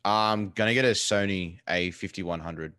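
A man's voice: low-pitched, moderate pace, sharp tone, dry recording, studio quality. An Australian man with an Australian accent, chatting casually as a streamer guest in a blunt, sweary, laid-back way. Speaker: live streamer, interview guest. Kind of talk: casual chat. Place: living room.

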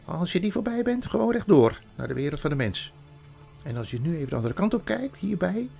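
A man putting on the White Witch, high and honeyed. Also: big pitch swings, gravelly, warm tone, soft background music, exaggerated voice. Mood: coaxing. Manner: honeyed, wheedling, drawn-out singsong. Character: coaxing, scheming White Witch queen, woman.

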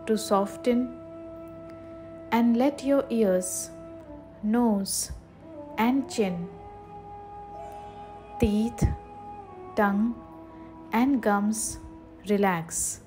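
A woman leading a guided meditation in a soothing, measured way, leaving long pauses between short phrases. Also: medium pitch, darkish tone.

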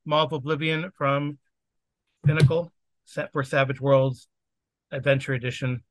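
A man's voice: mid-range voice, steady tone, normal speed, no echo. A man hosting and running a tabletop game, chatting casually over a video call, rambling with lots of fillers. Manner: rambling, with many fillers and restarts. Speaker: game master and podcast host. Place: home setup on a video call.

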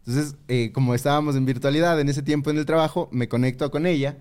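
A man's voice: on the high side, fast talker, clean tone. A young man, a comedian telling a story in casual talk and acting out other people's lines. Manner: animated, acts out others in quoted voices. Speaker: comedian guest.

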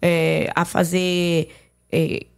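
A woman from Lebanon, raised in Argentina, with an accent mixing Arabic and Argentine Spanish, giving her personal testimony on a podcast in a halting way with many restarts. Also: lowish voice, flat delivery, gravelly, clean tone. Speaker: podcast guest. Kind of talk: personal testimony in casual conversation.

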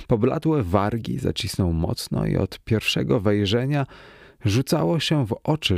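A man narrating a first-person horror story in a tense, expressive reading, recorded close in a quiet studio. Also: lowish voice, vocal fry, dry recording. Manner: tense, expressive, rising to cries in the quoted lines. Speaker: audiobook narrator.

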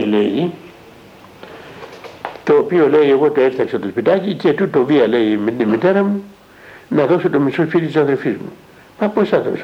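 An older man, an elder monk, retelling a conversation in a spiritual talk and tagging each line with "I say" and "he says". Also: mid-range voice. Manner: recounts dialogue, with constant "I say, he says" tags. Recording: dull lo-fi radio broadcast recording.

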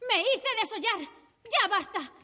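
A woman's voice: very high-pitched, sing-song, normal speed, fairly bright tone, full character voice. An actress dubbing a queen who was made young again, urgent and scolding.

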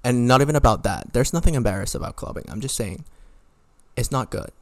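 A man's voice: medium pitch, animated, a little fast, dry recording. A young man from Hong Kong vlogging his opinions in a casual, rambling way, bluntly swearing and often rephrasing himself. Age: young adult.

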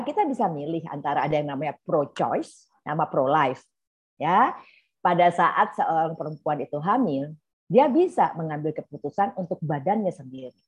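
A middle-aged woman, a clinical psychologist, explaining to an audience in a lively way and acting out other people's voices. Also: on the low side, husky, dull audio. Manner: lively, acts out clients' voices.

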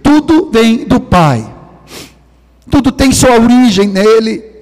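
An older man from Sweden preaches with a Swedish accent, his voice sitting fairly high for a man. He lingers over key words and lets some phrases sink into near-whispers. His voice rings with the long reverb of a large hall. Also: animated. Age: 60s. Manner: dramatic, drops to hushed near-whispers for emphasis; slow, drawn-out stress on key words. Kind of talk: sermon.

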